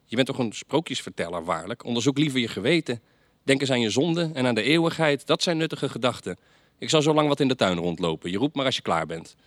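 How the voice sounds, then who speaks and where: A man's voice: mid-range voice, lively intonation, fast talker, no echo, studio quality, voice pushed up, lightly acted. A man voicing Death in a storybook tale, grumbling and questioning, raised above his own voice. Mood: lecturing. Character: Death, grumbling, curious male figure.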